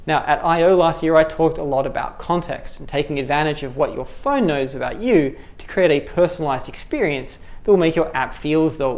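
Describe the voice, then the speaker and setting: A man in his thirties with an Australian accent, presenting a scripted tutorial on app development in an upbeat way in a studio. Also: fairly high pitch. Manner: upbeat, gestures with hands while talking. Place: studio with dark backdrop.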